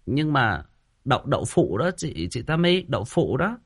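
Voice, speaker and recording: A man's voice: medium pitch, very animated, moderate pace, a bit bright, slightly rough. A man with a Northern Vietnamese accent hosting a casual livestream, chatty, with many fillers and repeated words. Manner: chatty, full of fillers and repetition. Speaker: livestream host, storyteller.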